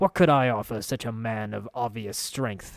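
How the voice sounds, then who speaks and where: Speaking at a medium pitch, a man puts on a character voice. His pace stays moderate. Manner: sly, wheedling, rambling.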